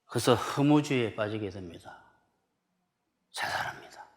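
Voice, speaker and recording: A man's voice: lowish voice, lively intonation, moderate pace. A middle-aged man from South Korea preaching a sermon as pastor, emphatic and full of rhetorical questions to the congregation.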